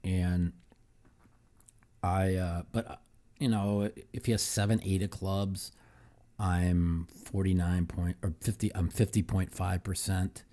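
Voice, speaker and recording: A man's voice: sits low, little pitch movement, slow, warm tone. A man hosting a casual podcast monologue, rambling with many fillers and repeated words. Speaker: podcast host. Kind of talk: casual monologue on football and poker.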